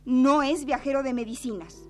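A woman's voice: high voice, moderate pace, soft background music, close to an everyday voice. Nosy teasing young woman played by an actress. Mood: playful. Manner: playful, mocking, teasing.

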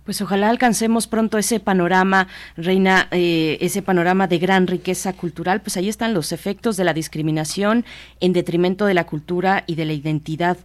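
A woman's voice: lowish voice, steady tone, a little fast. A woman radio host leading an interview, polite and formal in manner.

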